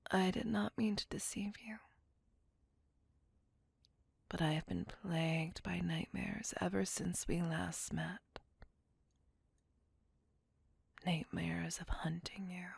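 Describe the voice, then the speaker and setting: A woman voicing a tormented, possessive female vampire centuries old, whispering slowly and intimately into a close microphone in an ASMR roleplay. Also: on the low side, creaky, breathy edge, no room sound, full character voice. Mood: tender remorse. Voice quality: whispered throughout. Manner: slow, brooding, intimate.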